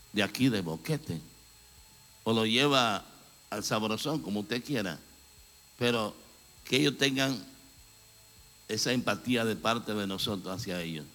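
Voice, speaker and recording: A man's voice: lowish voice, fairly bright tone. A male pastor, fervently addressing his congregation in a church. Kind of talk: church announcements and exhortation. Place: church hall. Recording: long reverb of a church hall.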